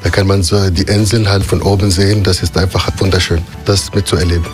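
A man's voice: deep voice, flat delivery, fairly quick, soft background music. A man who speaks German as a second language and works as airline cabin crew. He talks hesitantly, with many fillers as he searches for words. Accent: non-native German. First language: not German.

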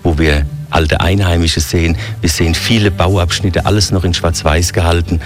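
A man from Hesse with a Hessian accent, a hotel director explaining his hotel in a radio interview in a relaxed, listing way. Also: low voice, moderate pace, over music. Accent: Hessian German. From Hesse, Germany.

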